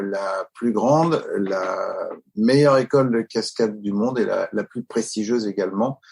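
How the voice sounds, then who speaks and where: A man's voice: on the low side, creaky, husky. An older man telling his story as an interview guest, earnest and hesitant, with many restarts and fillers. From Italian-Corsican family, grew up in France. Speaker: stunt school founder, guest.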